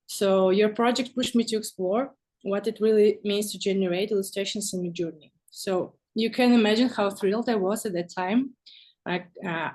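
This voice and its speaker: A woman guest in a relaxed interview, speaking English as a second language. Her delivery is conversational and a little halting, with expressive phrasing and a medium pitch. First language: not English. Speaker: guest visual artist.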